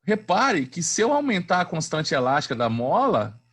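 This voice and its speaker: A man's voice: a little high, big pitch swings, normal speed, fairly bright tone. A man teaching a physics class online in a chatty, slangy way, often asking the students questions.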